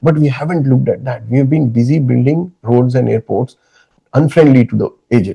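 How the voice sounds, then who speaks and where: A man's somewhat breathy, medium-pitched voice with a dark, mellow tone, at a fairly quick pace, in a dry, close sound with no echo. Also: ordinary pitch variation. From India, Hyderabad. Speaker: economist. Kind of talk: casual chat.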